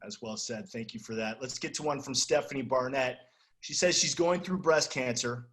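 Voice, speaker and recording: Male host reading viewer questions, brisk and polite, mid voice, video call. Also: medium pitch, fairly bright tone.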